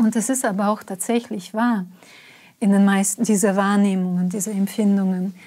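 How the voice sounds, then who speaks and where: Somewhat breathy and dark, mellow in tone, a woman speaks at a moderate pace with monotone, flat intonation. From former Soviet Union (Russia). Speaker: spiritual teacher and author; spiritual teacher. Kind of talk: interview. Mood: calm, earnest. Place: studio.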